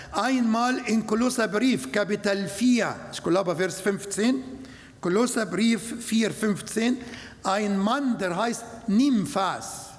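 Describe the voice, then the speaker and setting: A man whose first language is Arabic, preaching a sermon in slow, halting German with non-native grammar. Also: high-pitched. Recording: long hall reverb.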